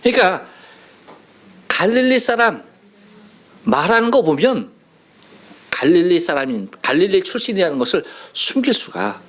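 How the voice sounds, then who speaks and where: A man's voice: sits high, very animated, normal speed, long pauses, a bit bright. A male pastor from Chungcheong preaching a sermon in a playful, storytelling way, mimicking dialect phrases. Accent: Chungcheong Korean. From Chungcheong, South Korea. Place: church sanctuary.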